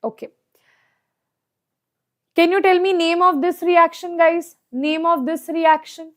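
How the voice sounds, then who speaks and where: A woman's voice: very high voice, fairly even intonation, slow pace. A woman with a South Asian accent teaching an exam problem lesson step by step, often checking that students follow with short questions. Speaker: chemistry teacher.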